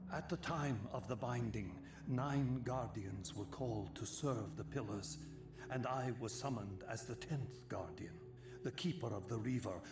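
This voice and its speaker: An actor playing an ancient, gentle vampire guardian in a video game, weary and sorrowful, with a solemn, measured delivery. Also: male voice, fairly low pitch. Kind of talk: scripted video game cutscene acting. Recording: echoing game audio with music behind.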